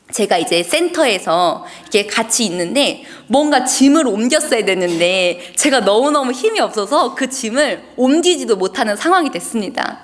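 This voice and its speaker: A young woman in her twenties gives a heartfelt church testimony as a youth revival speaker, telling her story earnestly. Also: fairly high pitch.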